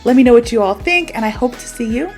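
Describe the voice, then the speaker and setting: A young American woman with a fairly high voice tells chatty stories to teach English slang. She acts out her own quoted dialogue with animated energy. Faint music plays underneath. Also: fast talker. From United States. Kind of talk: casual storytelling lesson.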